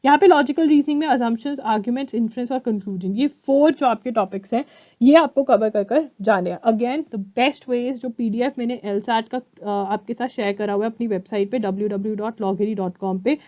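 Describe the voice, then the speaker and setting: Young female tutor, higher voice, dry slightly muffled mic, direct and repetitive. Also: normal speed, no echo. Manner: direct, repeats key points, checks in with "ठीक है?". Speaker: exam coaching educator. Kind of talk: Hinglish exam-prep lesson to camera.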